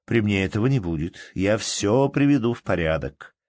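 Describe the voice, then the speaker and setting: A man voicing a young woman who is loving, lively and playfully commanding, in an audiobook reading. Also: fairly low pitch, normal speed, no echo, studio quality, close to an everyday voice. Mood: playfully bossy.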